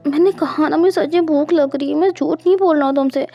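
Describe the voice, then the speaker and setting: Woman voicing Wing, a shy soft-spoken young man. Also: high voice, fast talker, dull audio, soft background music, voice pushed up. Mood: teasing. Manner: soft-spoken, hesitant restarts. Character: young man, tender, shy, teasing husband-wife.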